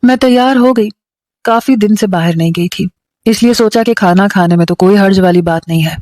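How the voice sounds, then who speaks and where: A woman reading a first-person story aloud in an even, plain storytelling tone. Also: medium pitch, no echo.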